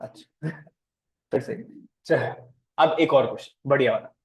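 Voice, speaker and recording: A man's voice: mid-range voice, unhurried. A man teaching commerce in a classroom, playful and teasing, quizzing his students with speech. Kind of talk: classroom lecture.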